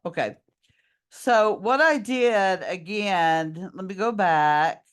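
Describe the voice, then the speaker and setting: A middle-aged woman teacher who is losing her voice, slowly talking her class through each step of a screen-recorded tutorial. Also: medium pitch, expressive, smooth.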